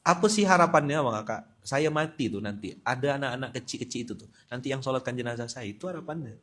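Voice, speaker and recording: A man, preaching a lively, humorous sermon with sudden loud emphatic bursts. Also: mid-range voice, quick pace. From West Kalimantan, Indonesia. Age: 40s. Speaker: Islamic preacher. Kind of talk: sermon at a dawn study gathering.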